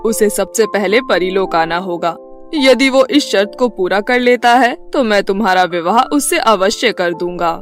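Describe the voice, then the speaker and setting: A woman playing a stern but fair fairy father, formal and measured, in an animated fairy tale. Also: mid-range voice, faint music behind, lightly acted. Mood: firm.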